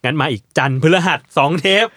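Fast-talking, teasing man co-host. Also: mid-range voice, fairly even intonation, fairly bright tone, husky, no room sound. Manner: blunt, teasing, coarse slang. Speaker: podcast co-host. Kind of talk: casual chat.

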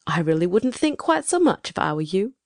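A stern, commanding older farm wife, as a woman reading aloud puts her on, clipped and icy in every word. Her voice swings widely in pitch and carries a gravelly rasp. The sound is dry and close. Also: expressive, normal speed, a little mellow, no echo. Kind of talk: audiobook character voice.

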